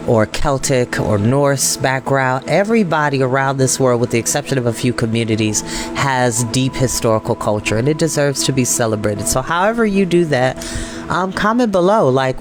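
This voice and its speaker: An American man hosting a storytime show, talking informally and earnestly to online viewers with emphatic, repeated phrases. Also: mid-range voice. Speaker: host of a storytime reading show. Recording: soft meditation music behind the voice. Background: meditation music.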